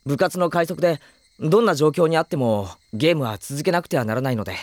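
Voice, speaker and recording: A woman's voice: low-pitched, quick pace, no echo, lightly acted. A woman voicing a polite schoolboy who gives matter-of-fact answers, in an anime drama CD. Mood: calm. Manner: deadpan, matter-of-fact replies.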